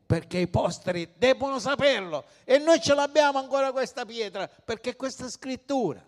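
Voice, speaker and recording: Un uomo che predica un sermone con fervore, passando da toni sommessi a slanci forti e interpellando i fedeli. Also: male voice, on the high side. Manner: rousing preacher, swings from hushed to loud, calls to the congregation. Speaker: pastor. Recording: long hall reverb.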